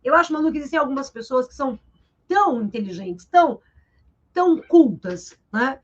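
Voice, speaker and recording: A Brazilian woman teacher with a fairly high voice talks through a book in a live interview, animated and explanatory, often tagging her sentences with a questioning "né?". The sound is dull and lo-fi, like a webcam on a live stream. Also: moderate pace. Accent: Brazilian Portuguese. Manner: lively and explanatory, tags sentences with "né?". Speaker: literature teacher.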